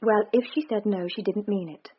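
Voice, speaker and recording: An actress playing a lively, teasing young Victorian woman in a radio drama who talks in an eager, coaxing way. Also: medium pitch, fairly quick, a little hiss or hum, natural voice. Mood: pleading. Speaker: actor. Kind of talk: period radio drama acting. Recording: dull, slightly muffled broadcast audio.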